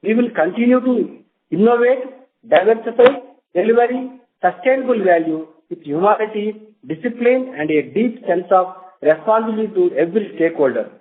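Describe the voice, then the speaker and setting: Male executive, Indian accent, high register, formal scripted delivery, thin phone-call sound. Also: lively intonation, a little fast. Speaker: company executive. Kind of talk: scripted corporate address. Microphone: telephone conference line. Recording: tinny narrowband phone line.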